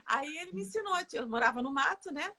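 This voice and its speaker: Bright high-voiced chatty woman. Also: quick pace. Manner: lively storyteller, laughs often. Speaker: therapist guest. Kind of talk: casual interview chat. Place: live online interview.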